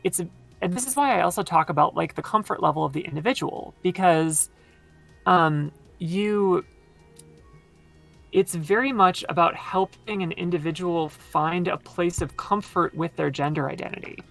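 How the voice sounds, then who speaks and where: A woman with a very low voice, explaining at length in casual conversation with many fillers, her voice tired from long talking. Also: normal speed, creaky, soft background music. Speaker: podcast guest.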